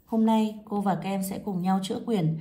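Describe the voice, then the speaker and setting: A woman primary school teacher guiding young children through a reading test, reading a poem and a story aloud in a slow, measured way. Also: medium pitch, steady tone, warm tone, husky.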